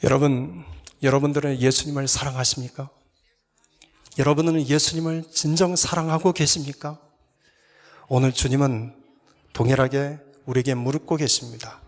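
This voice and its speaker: A male pastor preaching a sermon, earnestly putting rhetorical questions to his congregation and sometimes dropping to a soft whisper. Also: medium pitch, flat delivery, moderate pace, long pauses. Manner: earnest, addresses listeners with repeated rhetorical questions. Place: church sanctuary. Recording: long reverb of a church hall.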